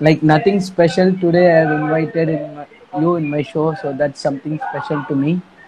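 A man's voice at a moderate pace, fairly even in intonation, dry with no echo, over noticeable background noise. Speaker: show host. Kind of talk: interview introduction. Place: home room. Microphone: earbuds.

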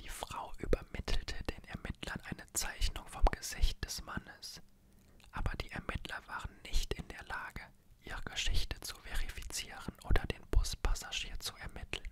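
Whispering at a moderate pace, a man lets his loudness swing widely. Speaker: ASMR true crime narrator. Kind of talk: ASMR true crime narration. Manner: whispered. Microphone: studio mic.

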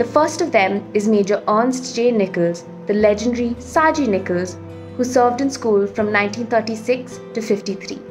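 Over clear background music, a woman speaks at a fairly slow pace with ordinary pitch variation. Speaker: episode host. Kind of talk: presenter narration. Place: home room. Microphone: webcam.

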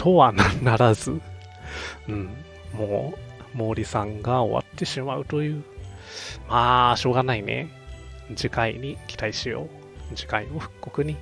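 Over music in the background, a man with a medium-pitched voice and a relaxed tone speaks fairly slowly with long, frequent pauses, very wide pitch swings and big swings in loudness. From Kanto, Japan. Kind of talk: casual game livestream chat. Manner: relaxed, musing.

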